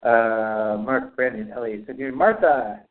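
A man of ordinary pitch leads a spiritual class over the phone, his voice narrow and tinny as if heard through a handset. He speaks plainly and without hurry, calling on people and guiding a prayer. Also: a little slow. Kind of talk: teleconference roll call and guided prayer. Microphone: phone call.

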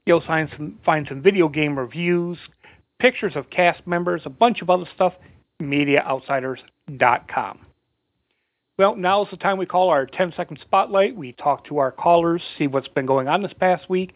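Hoarse man hosting over a tinny line. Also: a little high, dry recording. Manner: chatty, rambling with restarts. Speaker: podcast host. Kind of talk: casual talk show hosting.

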